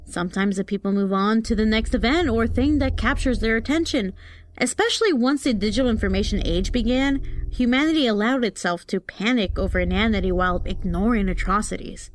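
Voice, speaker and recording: A woman's voice: on the high side, a little fast, close to an everyday voice, rough recording. An actress playing a sober, skeptical female student in an audio drama, formal and didactic.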